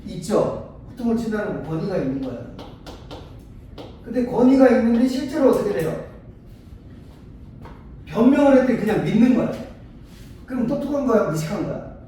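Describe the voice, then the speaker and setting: A male tutor lectures a class in a high, animated voice with a mellow tone. He keeps checking in with his students and slips into short acted-out exchanges to make a point. The recording sounds echoey and distant, as if taken from across a classroom, with faint noise behind it. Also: moderate pace, long pauses. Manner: asks students frequent check-in questions; acts out short dialogues to explain. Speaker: Korean literature tutor. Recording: echoey room, mic far off, faint noise.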